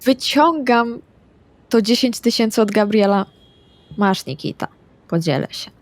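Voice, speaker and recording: A woman's voice: on the high side, expressive, unhurried, no room sound. Hesitant woman in dry-sounding roleplay. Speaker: tabletop game player. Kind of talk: casual in-character tabletop roleplay.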